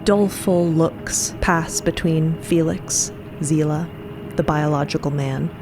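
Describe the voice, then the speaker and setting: A woman narrating a scripted audio drama in a solemn, measured manner. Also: low-pitched, steady tone, over music, low-quality recording.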